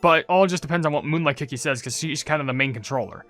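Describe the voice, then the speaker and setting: A man's voice: on the high side, fast, fairly bright tone, soft background music. A young man giving casual, rambling gaming commentary, thinking aloud as he goes. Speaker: gaming video creator.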